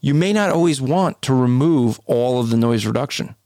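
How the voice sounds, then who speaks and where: A man with a deep, booming voice co-hosting a podcast, explaining things in a casual, conversational way. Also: expressive, normal speed, dark tone, no room sound, clean studio sound. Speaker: podcast co-host.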